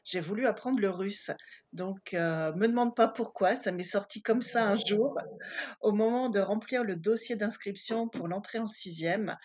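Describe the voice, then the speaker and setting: A woman's voice: medium pitch, moderate pace, darkish tone. A woman in her fifties from Paris, chatting casually as an interview guest, with many hesitant fillers. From Paris, France. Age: 50s.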